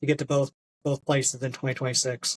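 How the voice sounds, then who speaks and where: In dry, close sound with no echo, a somewhat breathy man speaks at a fairly quick pace and a medium pitch. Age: 60s. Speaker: cruise travel advisor. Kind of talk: podcast interview.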